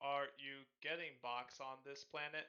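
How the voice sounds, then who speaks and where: Putting on a character voice, a man speaks fairly high and in a flat monotone. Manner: cold, condescending.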